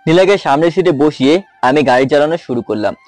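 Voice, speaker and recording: A man's voice: a little high, animated, fast talker, a little mellow, dry recording, faint music behind. A young man narrating a romantic story in first person and voicing its mischievous hero. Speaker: narrator and male lead.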